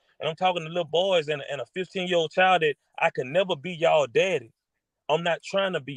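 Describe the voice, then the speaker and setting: A loud man speaks at a high pitch with ordinary pitch variation. His pace is fairly quick. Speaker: podcast host; artist. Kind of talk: casual chat. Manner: animated.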